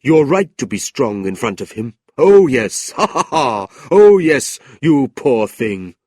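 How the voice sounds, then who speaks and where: A man's voice: medium pitch, big pitch swings, a little slow, warm tone, slightly rough, no room sound, clean studio sound. A man doing an odd, cackling old clerk. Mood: gleeful. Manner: cackling, whispering, conspiratorial.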